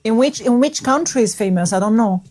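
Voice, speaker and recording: A woman makes chatty small talk with a stranger on a live stream. Her voice sits a little high and swings widely in pitch. Faint music plays behind her. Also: animated, a little fast, a little mellow. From Austria. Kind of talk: casual video-chat small talk.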